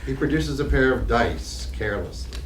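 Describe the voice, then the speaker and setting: A man's voice: mid-range voice, animated, normal speed. A man reading stage directions as scripted narration for a dramatic play reading. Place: library reading room, public event. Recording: roomy, distant mic, noisy room.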